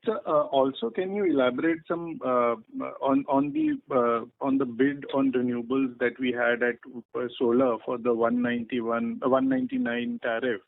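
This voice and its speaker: A man with an Indian accent politely and haltingly putting questions as an analyst on an earnings call. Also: medium pitch, lively intonation, creaky, no room sound. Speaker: financial analyst caller. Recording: tinny phone line.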